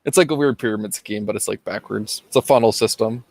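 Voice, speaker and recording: A man hosting a comedy podcast, joking, laughing often and reading lists of ratings deadpan. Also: fairly low pitch, fast talker, creaky, dry recording. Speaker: podcast host. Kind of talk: casual comedy chat.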